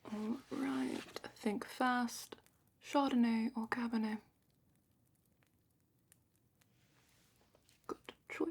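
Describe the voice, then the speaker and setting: A woman playing a calm, probing dragon-academy examiner in a whispered ASMR roleplay, speaking softly and deliberately with thoughtful pauses. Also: fairly high pitch. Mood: probing, appraising. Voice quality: soft, breathy whisper.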